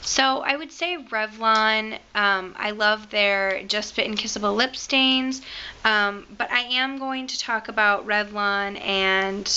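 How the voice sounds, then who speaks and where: A woman beauty vlogger, a little raspy from being sick, chatting casually through a product review with lots of "um" and "like". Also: mid-range voice, slow, pushed and bright, dull audio, slight background noise.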